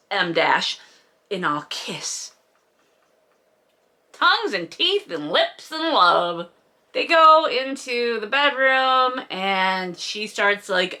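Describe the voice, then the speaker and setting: A woman with a lowish, pushed, bright voice hosts a comedic read-along. She reads a book aloud and mocks it with sarcastic, exaggerated emphasis and plenty of swearing.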